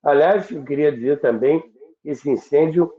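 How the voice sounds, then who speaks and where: An older man tells radio history conversationally, in a halting, reflective, deliberate way. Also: fairly high pitch, mellow. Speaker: radio history presenter, former radio worker. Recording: roomy, echoing phone-like narrow sound.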